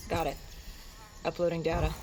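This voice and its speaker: A woman's voice: low voice, completely flat delivery, normal speed, a little mellow, a little hiss or hum, close to an everyday voice, low-quality recording. An actress playing a terse, determined female special-ops soldier in a video game who asks short, pointed questions. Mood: steady. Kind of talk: video game cutscene acting.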